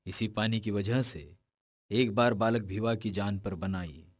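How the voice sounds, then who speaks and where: A man narrates an animated film in a solemn, measured way. His voice sits fairly low and is recorded dry, with no room sound. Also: no room sound. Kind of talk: scripted narration. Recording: dry studio voice-over.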